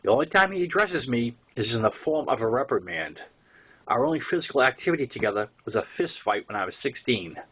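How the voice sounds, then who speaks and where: An older man with a Boston accent and a husky voice, reading his own first-person story as an audiobook narration. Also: medium pitch, big pitch swings, fairly quick, a bit bright, lo-fi sound.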